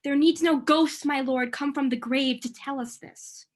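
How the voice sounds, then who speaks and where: A loyal, concerned companion to a prince played by a woman speaks in a high voice. The Shakespearean dialogue comes across earnest and deferential, as in a play reading. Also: steady tone, measured pace. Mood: earnest, puzzled. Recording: remote livestream audio.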